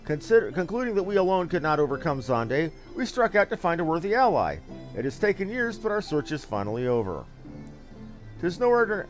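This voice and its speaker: A man voicing a solemn ancient guardian from a fantasy game, speaking in formal, archaic phrases. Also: on the high side. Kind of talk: fantasy game dialogue read aloud.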